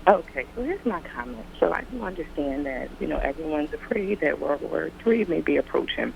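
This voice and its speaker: Hesitant caller with a gravelly voice. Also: male voice, on the high side, lively intonation, a little fast, a little hiss or hum. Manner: rambling, hesitant, full of ums. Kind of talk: phone-in call. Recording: dull lo-fi phone line.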